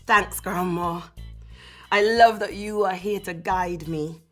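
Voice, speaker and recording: A woman's voice: fairly low pitch, fairly even intonation, takes it slowly, soft background music, pitched above the performer's own voice. A woman acts out a timid little girl from a storybook. She is innocent and obedient, with a hesitant, childlike way of speaking. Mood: grateful.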